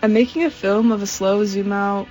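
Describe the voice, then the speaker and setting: Woman describing artwork over soft guitar. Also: mid-range voice, steady tone, normal speed. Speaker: filmmaker.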